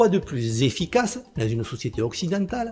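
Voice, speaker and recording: A man speaks at a moderate pace and fairly high pitch. Music plays behind him. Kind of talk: political commentary monologue.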